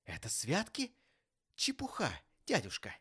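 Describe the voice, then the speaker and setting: A man's voice: a little high, sing-song, normal speed, voice pushed up. A man reading an audiobook voices a cheerful, earnest young nephew. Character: cheerful warm-hearted young male nephew.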